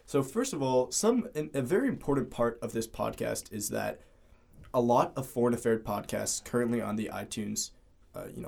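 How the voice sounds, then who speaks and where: A man's voice: mid-range voice, gravelly, a little mellow. A young man from Ohio, a student co-hosting a podcast, talking in an earnest casual way with some restarts. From Cleveland, Ohio. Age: young adult. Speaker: podcast co-host.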